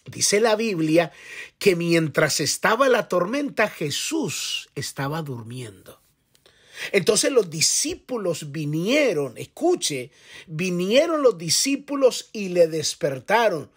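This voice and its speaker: A man's voice: high-pitched, very animated, slow pace, slightly rough. A male pastor giving a devotional sermon, speaking in an impassioned, conversational way straight to the listener.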